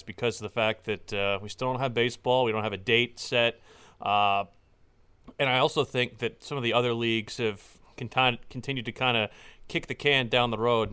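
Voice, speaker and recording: A man hosting a loose, casual podcast, his voice smooth and clear at a middling pitch. He talks in long, rambling stretches, stopping to restart his sentences and filling gaps with "uh". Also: a bit bright. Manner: rambling, many fillers and restarts. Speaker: podcast host.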